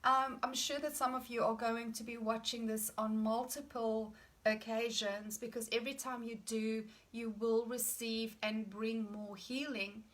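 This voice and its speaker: A woman leading a guided healing meditation for an online group, speaking in an earnest, deliberate way and stressing key phrases. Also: fairly high pitch, steady tone. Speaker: meditation leader.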